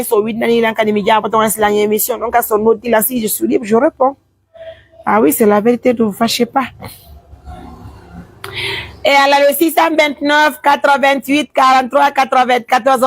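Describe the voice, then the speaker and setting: A woman's voice: a little high, creaky, breathy edge, dry recording. A woman, a mother from Guinea, hosting a casual live stream, mixing French with a local language as she reads out and answers viewer comments. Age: adult with children.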